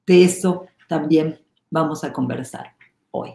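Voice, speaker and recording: A woman giving an academic lecture at a graduate seminar, measured and deliberate, stressing her points in lists. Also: low voice, creaky, mellow. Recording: roomy echo.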